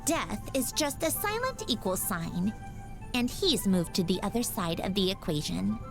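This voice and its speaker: A woman's voice: mid-range voice, very animated, unhurried. An actress playing a proud young woman inventor in a video game, haughty and sardonic yet composed. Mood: calm, wistful. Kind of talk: video game character voice lines. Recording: background music.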